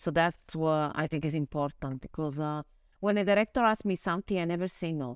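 A woman with an Italian accent and a fairly low pitch speaks at a fairly quick pace with ordinary pitch variation, in a dry, close sound with no echo and a very clean recording with a silent background. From southern Italy. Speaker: cinematographer. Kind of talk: casual interview conversation.

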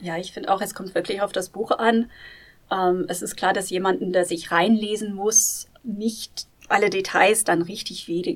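Using ordinary pitch variation, a woman speaks at a fairly slow pace with a medium pitch. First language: English (speaking German). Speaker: museum educator. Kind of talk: casual chat.

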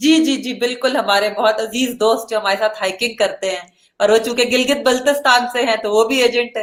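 Her pitch is high for this woman speaker. She keeps her intonation fairly even. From Pakistan, Lahore. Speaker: journalist, news bureau chief. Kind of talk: casual interview.

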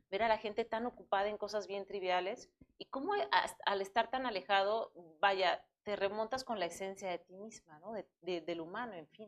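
A woman with an unremarkable speaking voice, medium pitch, fairly even intonation and a moderate pace. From Mexico. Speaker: radio host. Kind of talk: interview.

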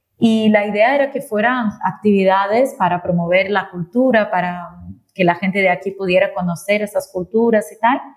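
A woman with a Portuguese accent speaks at a medium pitch with ordinary pitch variation and big swings in loudness. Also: moderate pace. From Brazil. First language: Portuguese (speaking Spanish). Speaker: social entrepreneur. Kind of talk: interview. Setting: video call.

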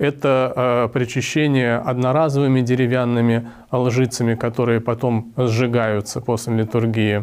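The voice keeps a monotone, flat intonation and very even loudness at a fairly slow pace. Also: man, medium pitch for a man. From Moscow, Russia. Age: 40s. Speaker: priest. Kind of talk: interview answers. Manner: halting with filler sounds.

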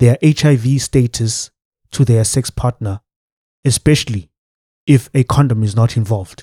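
Dry and close with no echo, a man speaks at a fairly slow pace. His voice is somewhat breathy, with a dark, mellow tone. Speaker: podcast host. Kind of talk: solo commentary podcast. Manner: animated.

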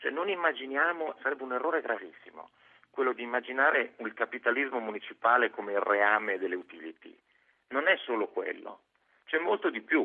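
At a fairly quick pace, a man talks at a medium pitch. His pitch swings very widely. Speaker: economics professor. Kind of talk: radio interview. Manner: halting.

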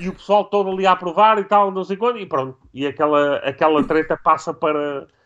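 Against a quiet background, a man with a European Portuguese accent speaks at a moderate pace in an animated tone. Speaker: football fan podcast host. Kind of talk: casual live podcast chat. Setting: rooftop terrace.

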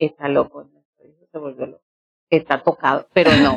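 A woman speaks at a moderate pace. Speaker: mother of an athlete. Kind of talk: interview. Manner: halting.

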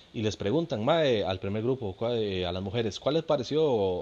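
Speaking at a moderate pace in a Costa Rican accent, a man with a fairly low voice swings very widely in pitch. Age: 30s. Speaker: comedian. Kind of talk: casual chat. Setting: home.

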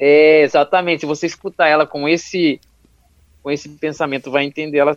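The speech moves at a fairly quick pace with monotone, flat intonation. The sound is dry and close, with no echo. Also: man, fairly high pitch for a man. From Pindamonhangaba, interior of São Paulo state, Brazil. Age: 20s. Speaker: rapper. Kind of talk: casual interview chat.

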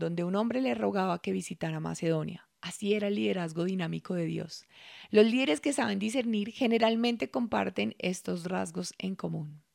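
A woman with a normal speaking voice talks at a moderate pace and a medium pitch. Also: very clean recording, silent background. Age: 40s. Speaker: leadership coach. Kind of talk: podcast monologue. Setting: indoors by a window.

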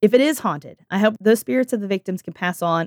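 Lively in intonation and animated in tone, a woman with a Southern US accent speaks at a fairly quick pace with a dry, close sound and no echo. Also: very clean recording, silent background. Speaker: podcast host. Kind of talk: casual chat.

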